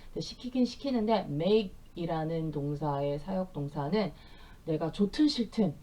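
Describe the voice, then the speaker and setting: A middle-aged woman teaching Bible verses in English with explanations, speaking gently with soft fillers and reading verses slowly for repetition. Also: deep voice, lively intonation. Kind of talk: bilingual scripture lesson with slow repetition drills.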